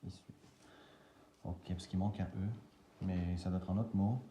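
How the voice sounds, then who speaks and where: A man's voice: deep voice, steady tone, normal speed, noisy background. A man casually thinking aloud and spelling out letters as he scratches lottery tickets for a video.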